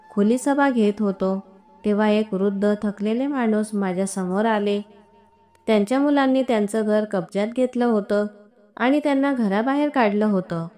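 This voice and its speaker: A woman reading an emotional first-person story aloud in a steady, earnest storytelling tone. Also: mid-range voice. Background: faint background music.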